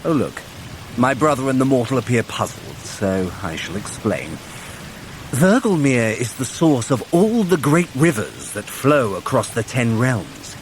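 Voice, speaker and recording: A clever, vain god of mischief in an audio drama. The delivery is teasing and self-satisfied, swooping freely in pitch. Faint watery ambience sits behind the voice. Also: male voice, very animated, unhurried, a little hiss or hum, rough recording. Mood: smug. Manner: self-satisfied, arch, theatrical. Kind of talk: scripted audio drama acting.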